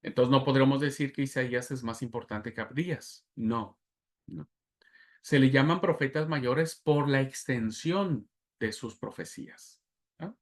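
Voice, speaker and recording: A man gives a lecture on scripture at an ordinary pitch for a man. He explains patiently and repeats key terms. He keeps turning to the class with quick checks for agreement. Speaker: Bible teacher.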